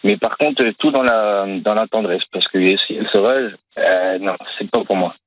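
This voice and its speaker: A man's voice: lowish voice, normal speed, dry recording. Young man calling in on a muffled line. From France. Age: 20s. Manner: easygoing, hesitant, filler-heavy. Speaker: caller. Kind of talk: casual phone-in chat. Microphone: phone.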